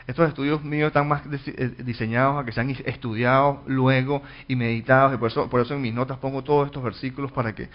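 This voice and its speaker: A pastor teaching a Bible study, reading verses aloud and explaining them with frequent restarts. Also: male voice, mid-range voice. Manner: reads scripture then explains, many restarts and fillers. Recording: dull lo-fi recording.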